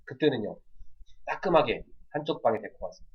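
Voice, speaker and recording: A male pastor giving a sermon on parenting, asking the congregation questions and quietly acting out parents talking to children. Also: mid-range voice, lively intonation, fairly quick, breathy edge, highs cut off. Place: church.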